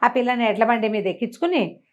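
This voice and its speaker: A woman's voice: fairly high pitch, animated, quick pace, highs cut off. A woman tells a folk tale conversationally, repeating phrases and slipping in small explanatory asides. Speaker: storyteller.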